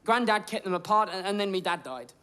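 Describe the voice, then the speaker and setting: A shy, earnest young working-class man with new money. He talks in a halting, sincere way, and his pitch rises and falls in lively swings. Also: clear, resonant tone. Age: young adult.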